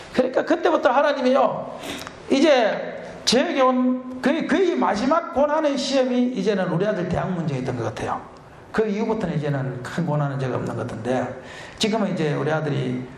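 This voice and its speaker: A middle-aged man, a pastor, preaching a revival sermon and telling a personal story with animated, laughing delivery. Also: a little high, vocal fry, a little hiss or hum. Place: church sanctuary. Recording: echoey church hall.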